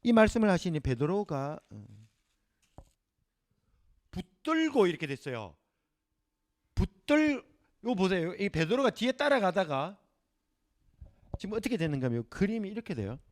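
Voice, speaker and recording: A middle-aged man giving a Bible seminar lecture, animated and acting out scenes for his class. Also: high-pitched, moderate pace, pauses often.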